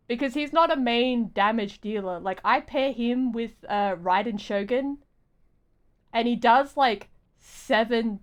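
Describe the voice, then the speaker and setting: A woman chatting casually as she live-streams a video game, rambling and often restarting her phrases. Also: on the high side. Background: game music.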